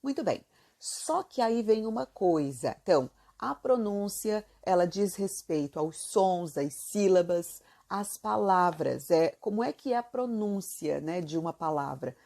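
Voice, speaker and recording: A woman's voice: on the low side, mellow. A woman from southern Brazil with a Santa Catarina accent, teaching Italian in a chatty video lesson and asking the viewer lots of questions. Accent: Santa Catarina Brazilian Portuguese. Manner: chatty, asks the viewer many questions, many fillers.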